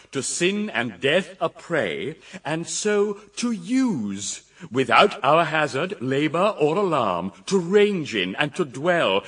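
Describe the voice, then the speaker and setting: Proud fallen angel for verse radio drama: bright forceful voice, huge swings from booming to hushed, slightly off-mic. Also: male voice, distant mic, heavily acted. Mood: gloating, scornful. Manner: grandiose, declamatory, swinging from booming cries to hushed murmurs.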